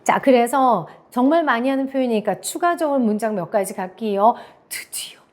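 A middle-aged woman teaching English, who says example phrases slowly and keeps checking in with her listeners. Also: fairly high pitch, animated, darkish tone. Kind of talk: classroom lecture.

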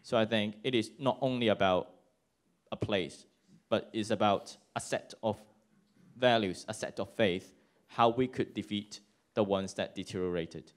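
A man's voice: fairly low pitch, measured pace. A young man from Hong Kong with a Hong Kong accent, speaking earnestly as a panelist. He holds a handheld mic in a conference room before a seated audience. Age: young adult. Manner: earnest, urging, thinking aloud. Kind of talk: panel discussion remarks.

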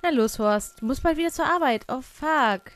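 A young woman doing casual gameplay commentary, chatting and bossing her game characters around with quick exclamations. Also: high voice, lively intonation, soft background music. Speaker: let's player.

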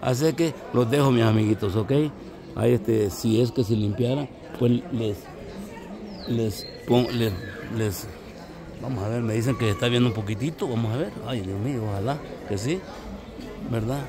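Chatty Salvadoran man with a gravelly voice. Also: mid-range voice, moderate pace, crowd noise. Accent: Salvadoran Spanish. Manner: chatty, addresses viewers as little friends. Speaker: travel vlogger. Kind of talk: casual vlog narration. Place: outdoors on a misty mountain.

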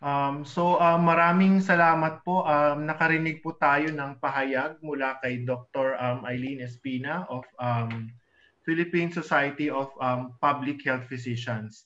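A man's voice: medium pitch, steady tone, moderate pace, a bit bright. A man in his thirties with a Filipino accent formally moderating an online briefing, speaking hesitantly over a video call. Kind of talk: formal hosting. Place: indoor room, on a video call. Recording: dull video-call audio.

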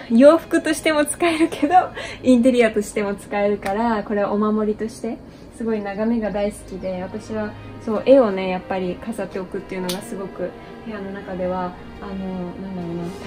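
Chatty young woman touring her room. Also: medium pitch. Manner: chatty, mixes in English phrases, many fillers. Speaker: vlogger giving a room tour. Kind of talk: casual chat to camera. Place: small bedroom apartment indoors. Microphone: handheld camera close up.

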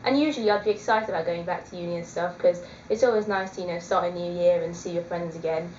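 A woman's voice: fairly low pitch, fast talker, a little mellow, a little hiss or hum. A woman in her twenties chatting casually to her webcam, hesitant with many ums. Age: 20s. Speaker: vlogger. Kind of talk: casual chat. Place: small indoor room. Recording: echoey room, dull lo-fi webcam audio.

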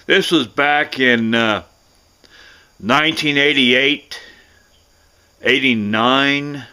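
A middle-aged American man telling a personal story casually to camera in a folksy, halting way, often repeating himself. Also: medium pitch, bright, forceful tone, clean tone. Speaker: vlogger.

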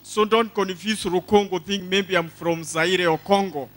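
An older Kenyan man addresses a church congregation with exuberant, declamatory delivery. His voice is high and bright, and he takes his time, repeating phrases to drive them home. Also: fairly even intonation, a little slow. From Embu County, Kenya. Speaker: church testimony speaker. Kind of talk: church testimony, preaching to a congregation. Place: large church hall stage. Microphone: handheld microphone.

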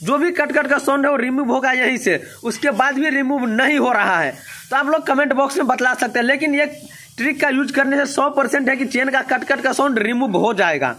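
High-voiced man explaining a bike repair. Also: brisk, bright, forceful tone. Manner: step-by-step instructive, keeps pointing things out. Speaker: bike mechanic. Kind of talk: how-to repair tutorial. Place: motorcycle workshop.

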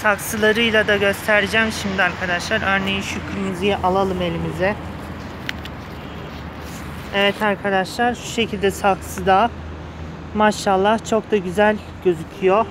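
A man with a high voice, fairly even intonation and a moderate pace vlogs casually to viewers, enthusiastic and gushing though slightly muffled by his face mask. He records on a handheld phone behind the camera while standing on a street pavement outside a flower shop, with cars going by and urban ambience around him.

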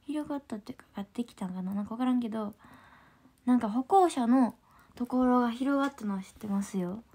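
A woman with a Kansai accent chatting casually on a livestream, reading viewer comments, laughing often and slipping into soft whispers. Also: on the high side, fast talker, breathy edge. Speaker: idol group trainee hosting a livestream.

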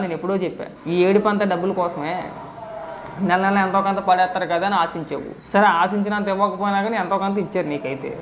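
A man's voice: high voice, a little hiss or hum. A man ranting straight at the camera as an online political commentator, lecturing and firing off rhetorical questions. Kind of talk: scolding direct-to-camera rant.

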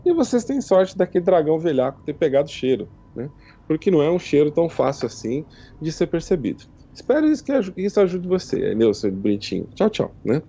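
Guy putting on a playful goddess lady, high and husky, lo-fi stream sound. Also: big pitch swings, brisk, warm tone, exaggerated voice. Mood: teasing. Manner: playful, affectionate teasing. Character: kindly teasing female goddess. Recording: dull lo-fi stream audio.

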